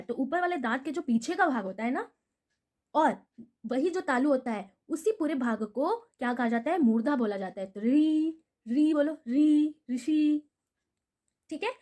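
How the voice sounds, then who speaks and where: A woman's voice: high-pitched, a little mellow. A woman teaching Hindi grammar in a video lesson, patiently repeating memory tricks and asking rhetorical questions before answering them.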